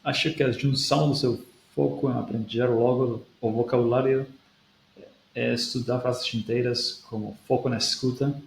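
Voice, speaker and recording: A man's voice: medium pitch, fairly even intonation, normal speed, creaky. A man hosting a language-learning video, talking through a viewer comment in casual talk and thinking aloud with restarts. He speaks Portuguese with a non-native accent that leans European. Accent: non-native speaker of Portuguese, European Portuguese leaning. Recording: echoey room with faint background noise.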